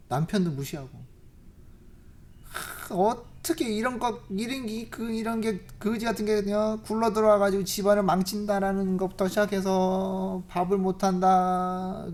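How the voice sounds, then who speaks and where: A preacher delivers a sermon at a church service and tells a long story. The delivery is animated, with loud, emphatic peaks, hushed asides and frequent rhetorical questions to the congregation. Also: medium pitch.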